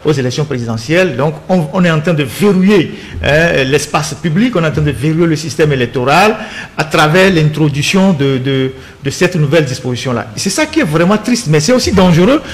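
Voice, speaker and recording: A man argues on a political panel. His voice sits high and swings widely in pitch. He sounds indignant and insistent, stumbling over repeated words as he presses on. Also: lively intonation, fairly quick. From Togo. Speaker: political commentator. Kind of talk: heated panel debate.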